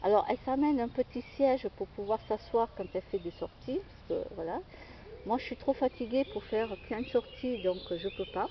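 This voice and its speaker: A woman with a fairly high voice rambles through a personal story, stopping often to hesitate and restart. The recording sounds dull and lo-fi, with faint outdoor noise and birdsong behind her. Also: a little fast. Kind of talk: casual storytelling monologue.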